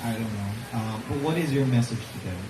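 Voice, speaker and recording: A man's voice: medium pitch, lively intonation, fairly quick, over music. A man interviewing a pageant contestant in a rambling, conversational way, often tagging questions onto his statements. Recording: echoey, noisy room, distant mic.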